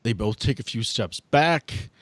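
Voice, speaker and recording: A man's voice: medium pitch, expressive, unhurried, fairly bright tone, no room sound. Man running a tabletop game, dry sound. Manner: informal, swearing. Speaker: game master. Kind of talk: narrating a tabletop roleplaying game.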